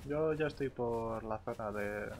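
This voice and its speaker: Male gamer, Castilian Spanish accent, mid pitch, casual in-character chat, noticeable background game noise. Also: a little slow, darkish tone. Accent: Spain Spanish. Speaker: gaming roleplayer and streamer. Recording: noisy game audio with ambient sounds.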